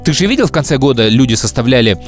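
Man co-hosting, relaxed and teasing. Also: medium pitch, racing, faint music behind. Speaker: podcast co-host. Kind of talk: casual chat.

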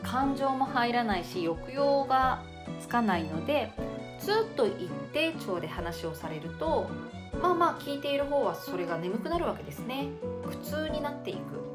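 A woman hosting her own podcast as a voice coach, talking through how speech turns monotone and demonstrating pitch changes. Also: moderate pace, music in the background. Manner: lively, demonstrative, varies her pitch on purpose. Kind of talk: solo podcast lesson on speaking.

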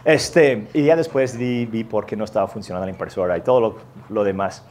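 A man telling a lively, self-mocking anecdote as part of a sermon, jumping into the voices of the people in the story. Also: on the low side, fairly quick, slight background noise. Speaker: preacher.

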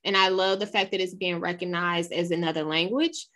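A woman's voice: lowish voice, steady tone, a little fast, fairly bright tone, a little hiss or hum. A woman with an African American accent talking casually in a group discussion.

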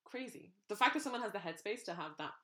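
A young half-French woman co-hosting a podcast, musing in animated casual chat. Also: mid-range voice, fast. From Ireland and France. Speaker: podcast co-host.

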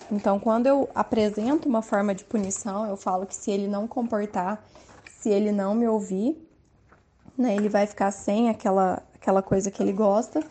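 A woman in her thirties with a Brazilian Portuguese accent, calmly sharing parenting tips from her own home life in an unhurried, soft-spoken way. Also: mid-range voice. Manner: soft-spoken, unhurried, frequent tag questions. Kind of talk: calm personal testimony.

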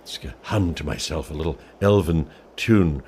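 A man's voice: a bass voice, moderate pace, slight background noise, voice pushed down. A man voicing a dithering, apologetic male adventurer in a tabletop roleplay, with hesitant, stammering speech. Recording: loud music behind the voice. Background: music.

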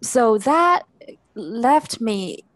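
A woman's voice: fairly high pitch, big pitch swings, very slow, fairly bright tone, no echo. A woman from China, an actress and coach, talking reflectively and earnestly in an interview, often agreeing with "exactly". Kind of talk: conversational interview.

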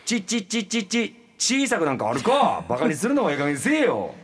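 A man voicing a hot-tempered, stammering tough guy with a Kansai accent, shouting threats. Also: sits high, wildly swooping pitch, fairly quick, husky, pitched above the performer's own voice, exaggerated voice. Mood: flustered fury.

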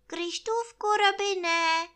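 A woman doing Pooh, a squeaky naive teddy bear. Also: pushed and bright. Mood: earnest. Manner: high, sing-song, earnestly silly. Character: naive, cheerful little honey-loving teddy bear. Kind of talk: storybook reading.

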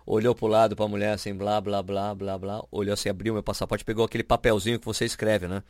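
Brazilian man, podcast host, rapid animated storytelling, dry close sound. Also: on the low side, no room sound. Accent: Brazilian Portuguese. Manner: animated, acts out quoted people. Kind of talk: casual storytelling chat.

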